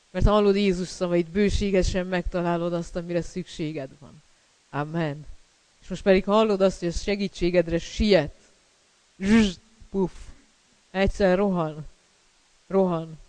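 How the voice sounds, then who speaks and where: A man's voice: high voice, darkish tone, clear, resonant tone, no echo, poor audio. A man preaching a sermon, emphatic and repeating key words, with fillers between phrases.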